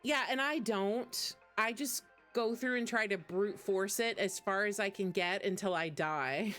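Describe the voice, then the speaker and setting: A woman streamer talks in a casual, chatty way as she plays, replying to her viewers. Her voice is mid-pitched, with game music playing faintly behind it. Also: unhurried, fairly bright tone. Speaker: game livestream host. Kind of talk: casual chat while gaming, replying to viewers.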